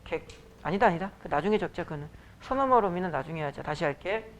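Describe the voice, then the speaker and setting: A man teaching a high school Korean class, lecturing casually with joking asides to his students. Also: animated, fast, a little hiss or hum. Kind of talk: classroom lecture with teasing banter. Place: academy classroom.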